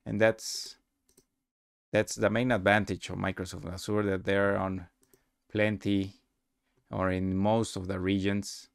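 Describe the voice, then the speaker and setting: Low, gravelly man presenting a demo. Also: little pitch movement, unhurried, pauses often, no echo, studio quality. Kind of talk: casual screen-recorded tutorial narration.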